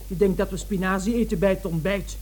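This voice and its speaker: Woman acting snotty young daughter in a radio play, curt, sullen, medium pitch. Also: fairly even intonation, a little fast, a little mellow, natural voice, rough recording. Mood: surly. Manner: curt, scornful. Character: rude, sullen, sharp-tongued young daughter.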